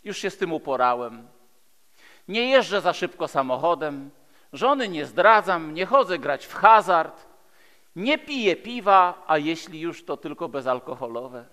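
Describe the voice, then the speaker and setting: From a pulpit in a large church hall, a Polish man in his fifties preaches with emphasis and rhetoric, repeating phrases and swinging dramatically between loud and hushed. His voice sits on the high side with big pitch swings and a slightly slow pace. The hall is echoey with long reverb.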